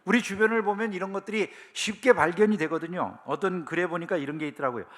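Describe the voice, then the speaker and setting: A man's voice: high voice, fast talker, long reverb tail. A man preaching a sermon as a pastor, in a conversational style with frequent rhetorical questions to the congregation. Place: church sanctuary.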